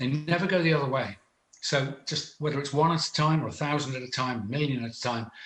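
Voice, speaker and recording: Pitched fairly high, a man in a normal speaking voice talks at a fairly quick pace with ordinary pitch variation. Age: 60s. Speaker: scientist speaking out on covid data. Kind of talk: panel discussion.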